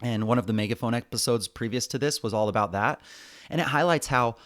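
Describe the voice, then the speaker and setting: An American man with a medium-pitched voice hosts a solo podcast. He talks earnestly and conversationally, partly following prepared notes and addressing his listeners directly. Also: fast talker, a bit bright. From United States. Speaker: podcast host. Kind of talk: semi-scripted solo podcast narration.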